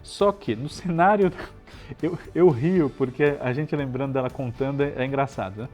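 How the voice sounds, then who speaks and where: A man's voice: mid-range voice, normal speed, darkish tone, faint music behind. A Brazilian man presenting in a conversational, chatty way, telling biographical stories and often adding little checking tags. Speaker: presenter of a show on television history.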